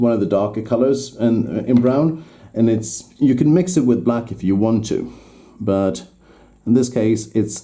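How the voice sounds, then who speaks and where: A man with a Swedish accent speaks at a fairly slow pace in a dark, mellow tone, at medium pitch with ordinary pitch variation, amid audible room echo. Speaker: miniature painting youtuber. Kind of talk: tutorial. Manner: halting, many fillers.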